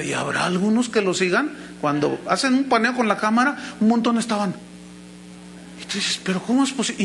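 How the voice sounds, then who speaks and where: A Mexican man preaching a sermon as pastor, emphatic, stretching key words slowly and acting out anecdotes in quoted voices. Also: high-pitched, vocal fry, fairly bright tone, slight background noise. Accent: Mexican Spanish.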